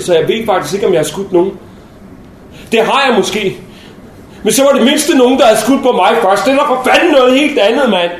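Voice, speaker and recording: A man's voice: sits high, natural voice. A young man acting a brash, shaken male soldier in a theatrical monologue, coarse and restless, in a roomy space with faint noise.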